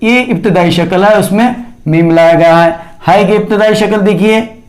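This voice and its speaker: A man's voice: high-pitched, normal speed. A man teaching a grammar lesson, spelling words out syllable by syllable and asking himself questions as he goes. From India.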